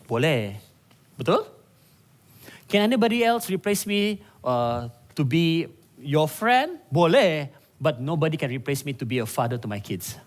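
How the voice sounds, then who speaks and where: A man preaching a sermon, animated and conversational, with asides to the congregation. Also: fairly high pitch. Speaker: pastor. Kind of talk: sermon mixing Malay and English.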